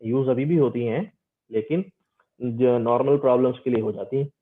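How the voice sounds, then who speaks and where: A man with a South Asian accent teaching a class, reading English text slowly and explaining it point by point, mixing in English terms. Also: mid-range voice. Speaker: teacher giving an online class. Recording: narrow, tinny online-call audio.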